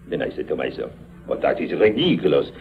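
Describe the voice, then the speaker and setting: An actor playing a polite, knowing police inspector, in formal 1950s radio drama style. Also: male voice, extremely low pitch, very animated, fast talker, exaggerated voice. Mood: courteous. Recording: dull old 1950s radio broadcast.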